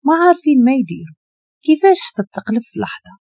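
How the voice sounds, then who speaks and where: A woman with a Moroccan Arabic accent narrates a dramatic story at a quick clip. Her voice is mellow and warm, and her pitch moves a lot as she reads. The recording is dry and close. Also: dry recording. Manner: brisk, expressive reading.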